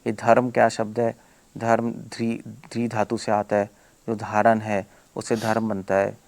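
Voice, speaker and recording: A man's voice: on the low side, completely flat delivery, measured pace, vocal fry, a little mellow. A man speaking as a monk, giving a devotional lecture to followers; emphatic, full of rhetorical questions, often mixing English words into his talk.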